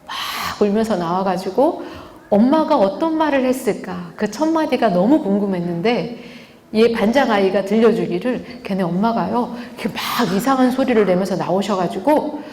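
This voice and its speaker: A woman lecturing a parenting class, lively and talking straight to her listeners, often asking them questions and acting out the quotes she tells. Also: mid-range voice, moderate pace. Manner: lively, asks the audience rhetorical questions; acts out quoted speech in vivid voices. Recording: echoey hall, faint background noise.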